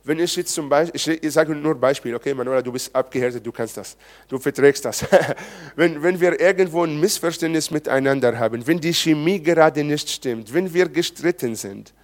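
During a church service, a man with a voice on the high side delivers a sermon at a moderate pace. As pastor, he keeps it conversational, asking the congregation questions.

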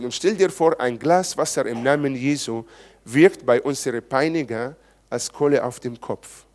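A man preaching in church in a conversational way, asking the congregation questions. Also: medium pitch. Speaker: pastor. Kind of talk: sermon. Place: church service.

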